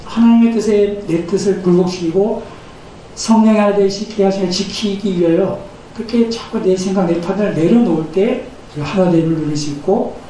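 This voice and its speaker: High-voiced pastor in his fifties, echoing church. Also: fairly quick, mellow. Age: 50s. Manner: earnest preaching with rising emphasis. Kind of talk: sermon. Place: church sanctuary. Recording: echoey church hall, mic at a distance, faint noise.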